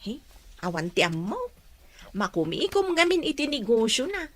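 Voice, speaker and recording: A woman's voice: fairly high pitch, very animated, normal speed. A woman with a Filipino Ilocano accent acting a concerned older household helper in an audio drama. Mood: indignant.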